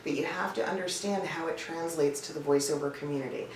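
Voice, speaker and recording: A woman with a slightly low voice gives coaching tips in a blunt, emphatic, conversational way. She sounds set back from the microphone in a clearly echoey room, with faint noise underneath. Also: steady tone, fast talker, a little mellow. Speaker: voice-over coach and casting professional. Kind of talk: direct-to-camera advice video, tips list. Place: indoor room with a cat nearby. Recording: roomy, distant mic, some background noise.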